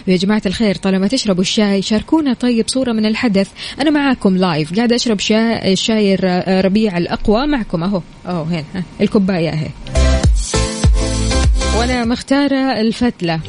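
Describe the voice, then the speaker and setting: Saudi lady morning radio host, talks fast n chatty, bit of music under her. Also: medium pitch, darkish tone. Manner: chatty, addresses listeners directly. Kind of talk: live morning radio show presenting.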